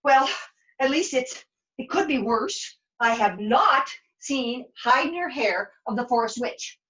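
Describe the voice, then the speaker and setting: A woman's voice: high-pitched, expressive, slow, fairly bright tone, lo-fi sound, pitched above the performer's own voice, exaggerated voice. A woman voicing a flustered, forgetful young dishwasher in a puppet show, hesitant and dithering. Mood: confused, flustered. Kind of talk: puppet show character acting.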